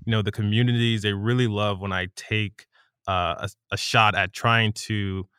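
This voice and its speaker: A man's voice: fairly low pitch, fairly even intonation, moderate pace, sharp tone, clean tone, no room sound, clean studio sound. A man co-hosting a podcast, asking questions and affirming the guest in a conversational way. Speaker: podcast co-host. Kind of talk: conversational interview.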